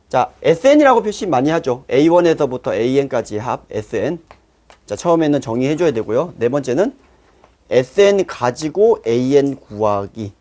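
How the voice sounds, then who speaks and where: Lively man teaching math. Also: a little high. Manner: lively, acts out students' voices. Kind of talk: lecture to fellow teachers. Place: classroom.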